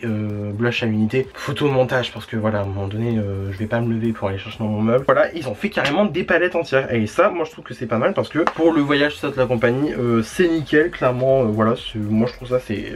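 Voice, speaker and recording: Rambling, chatty young man vlogging makeup. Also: medium pitch. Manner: rambling and chatty, full of fillers and slang; laughs often at himself. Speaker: beauty vlogger. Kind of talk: casual makeup review chat.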